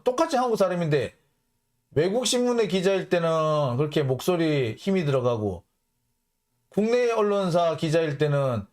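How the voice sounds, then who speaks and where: A man hosting a political commentary show, reading out foreign news and mocking it in an animated way. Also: high-pitched. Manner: animated, mocking, acts out blunt quotes. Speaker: host of a political commentary channel.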